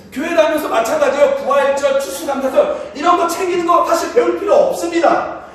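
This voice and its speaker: A male pastor with a strikingly high voice preaches to his congregation, firing questions at them and having them repeat his words, often with a chuckle. He is picked up from a distance, and his voice rings through a very echoey church hall. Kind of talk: sermon. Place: church sanctuary.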